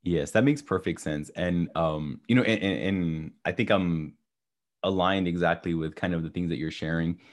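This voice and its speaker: A man with a deep voice hosting a career podcast. He talks in a loose, relaxed way, uses a lot of fillers, and often checks for agreement. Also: moderate pace. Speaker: podcast host. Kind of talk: conversational interview hosting.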